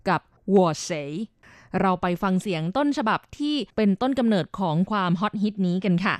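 A woman radio host runs a language segment in a chatty, explanatory manner with polite sentence endings. Her voice sits at a middle pitch. The studio sound is close and dry. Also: animated, moderate pace, dry recording.

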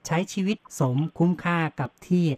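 A man's voice: normal speed, darkish tone. A man co-hosting a radio talk show in a studio, explaining things in an easygoing, conversational way. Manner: easygoing, explanatory, chuckles along. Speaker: radio host.

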